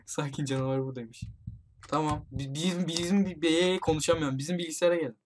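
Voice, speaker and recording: A man playing a horror game online with friends, commentating for his channel and urgently shouting warnings to his teammates. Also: on the high side, fairly even intonation, fast, a little hiss or hum. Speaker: gaming YouTuber. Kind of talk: excited let's-play commentary with friends.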